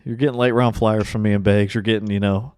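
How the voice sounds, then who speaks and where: A man with a raspy, tired baritone, hosting a casual sports podcast in a rambling, joking way. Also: fairly even intonation, quick pace, a little mellow, no room sound, studio quality. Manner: rambling, joking, restarts sentences. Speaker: podcast host.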